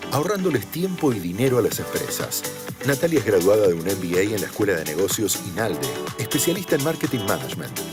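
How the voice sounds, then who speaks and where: A man reading speaker biographies as a formal voice-over announcer. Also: fairly low pitch. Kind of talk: scripted voice-over narration. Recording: voice-over with music bed.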